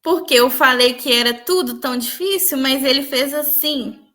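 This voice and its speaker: A young woman earnestly recounting a personal spiritual experience in an interview, often dropping to quiet tones. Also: high voice, moderate pace. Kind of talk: emotional personal testimony.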